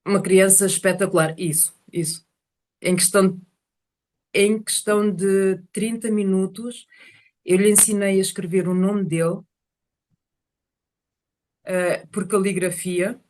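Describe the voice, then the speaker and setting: A woman telling casual personal stories to a group on a video call, animated and often searching for words. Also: medium pitch, unhurried, pauses often. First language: Portuguese is one of several languages spoken.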